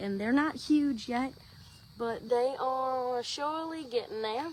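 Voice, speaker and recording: A woman with an American accent talks at a fairly slow pace with ordinary pitch variation. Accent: Louisiana Cajun-tinged Southern US. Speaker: reality TV personality and gator hunter. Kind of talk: casual livestream chat. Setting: outdoors in a garden, live stream. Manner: casual, hesitant with fillers.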